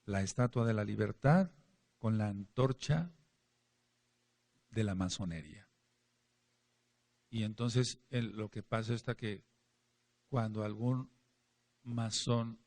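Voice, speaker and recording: A man preaching a sermon and reading scripture aloud, emphatic, with his voice rising and falling. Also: lowish voice. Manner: emphatic preaching, asks for amens, swings between loud and quiet.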